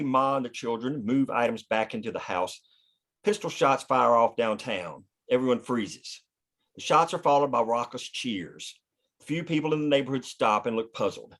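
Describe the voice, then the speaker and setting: A man's voice: medium pitch, fairly bright tone. A man reading scripted stage directions as the narrator of a screenplay table read.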